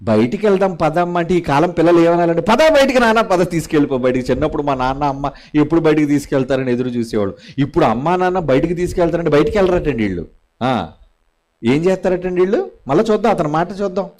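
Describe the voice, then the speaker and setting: A man's voice: on the high side, fast, darkish tone. A man preaching a sermon in a scolding tone, firing off rhetorical questions at his listeners.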